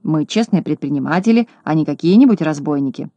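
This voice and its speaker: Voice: medium pitch, animated, quick pace, mellow, no echo, highs cut off. Reader playing a mock-polite swindler. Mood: smooth. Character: smooth-talking male swindler, mock-polite. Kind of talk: audiobook narration.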